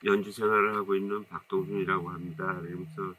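A man in his fifties with a strong Jecheon regional accent, a saxophonist telling stories in a relaxed, rambling, modest way in an indoor studio. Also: deep voice, fast. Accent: Jecheon dialect of North Chungcheong. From Jecheon, North Chungcheong, Korea. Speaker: saxophonist guest. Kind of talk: casual interview storytelling. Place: indoor studio with curtain backdrop. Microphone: off-camera mic, seated two-shot.

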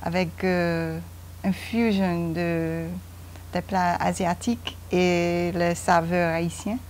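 A woman's voice: fairly low pitch, level tone, slow pace, darkish tone, slight background noise. A woman in her fifties from Guyana, a guest speaking hesitantly with many fillers on a home veranda. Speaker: interview guest, mother.

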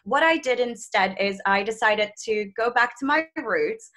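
A woman's voice: fairly high pitch, animated, normal speed, pushed and bright. A woman in her twenties, a native Czech speaker, chatting candidly and laughing often in a video-call interview from a small room at home. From Czech Republic. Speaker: travel content creator, guest. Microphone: video call, laptop mic.

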